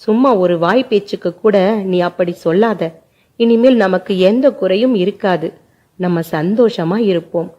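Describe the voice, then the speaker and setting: A woman's voice: medium pitch, moderate pace, mellow, dull audio, natural voice. A woman voicing a remorseful, tearful young man who pleads with the woman he loves, in a told family story. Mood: comforting. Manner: pleading, sobbing delivery. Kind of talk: storytelling narration.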